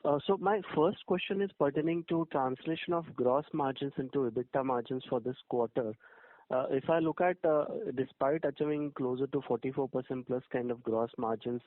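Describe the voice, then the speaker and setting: A man's voice: mid-range voice, a little fast, dry recording. Give me a polite man asking questions over a tinny phone line. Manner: polite, hesitant, with many fillers. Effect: heard over a phone line. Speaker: caller asking questions on a conference call. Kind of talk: formal question on a conference call.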